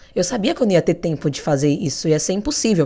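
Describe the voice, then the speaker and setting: A woman speaks at a medium pitch with a dark, mellow tone. Her pitch swings very widely as she talks very fast. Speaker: sports reporter and journalism student. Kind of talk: podcast interview.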